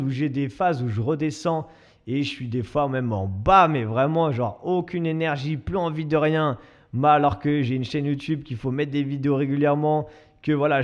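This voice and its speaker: A young man with a slightly high voice talks through his solo podcast in a loose, chatty way. He restarts his sentences often and pokes fun at himself. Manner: chatty, self-mocking, many restarts and fillers. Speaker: podcast host and fitness coach. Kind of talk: casual solo podcast monologue.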